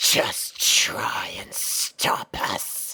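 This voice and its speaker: Someone whispers in a put-on character voice. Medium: read story. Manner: menacing, blustering.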